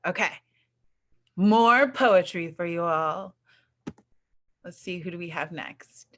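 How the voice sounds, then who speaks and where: Woman host, upbeat and encouraging, bright forward voice, casual video-call emcee. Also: on the low side, takes it slowly. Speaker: host of a youth poetry reading.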